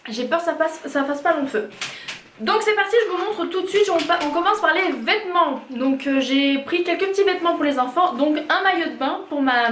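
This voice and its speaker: Brief: high-pitched woman from France, casual haul vlogger, talks with fillers, echoey room with faint hiss. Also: a bit bright. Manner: chatty, hesitant with many fillers. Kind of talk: casual product haul chat.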